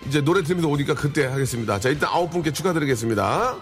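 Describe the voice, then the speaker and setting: A man's voice: on the high side, animated, very fast, over music. A man hosting a live radio show, joking and giving mock-stern warnings to listeners. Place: radio studio.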